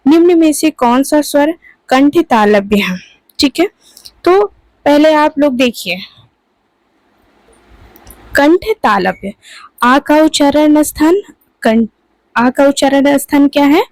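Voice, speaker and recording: A woman teaching an exam-prep lesson in a fairly high voice. She speaks very slowly and takes her time over each point. The recording is close and dry, with no room sound. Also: lively intonation, a little mellow, no room sound, poor audio. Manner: slow, repeats "ठीक है दोस्तों" between points.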